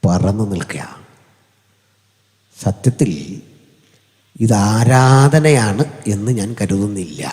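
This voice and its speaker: A man with a Malayali accent preaching a sermon in a large hall, speaking into a mic through an amplifier, conversational and humorous with sudden high-pitched climbs. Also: expressive, takes it slowly, pauses often, darkish tone. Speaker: pastor. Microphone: hand or stand mic through an amplifier. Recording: long hall reverb.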